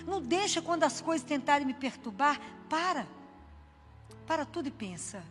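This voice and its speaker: A woman's voice: high-pitched, lively intonation, moderate pace. An older woman giving a spoken devotional message, telling stories in a conversational way and acting out the voices she quotes. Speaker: Christian inspirational speaker. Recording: long hall reverb with soft background music.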